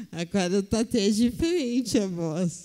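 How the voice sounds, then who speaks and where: A woman speaks at a very slow pace in a dark, mellow tone. Her pitch is medium, with ordinary variation. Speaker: lay preacher. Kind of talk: sermon. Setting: church. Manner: talkative.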